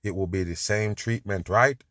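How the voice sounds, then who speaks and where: A man's voice: fairly low pitch, moderate pace, a bit bright, dry recording, studio quality. A male host reacting to video clips with emphatic, scornful commentary, urging listeners to pay attention.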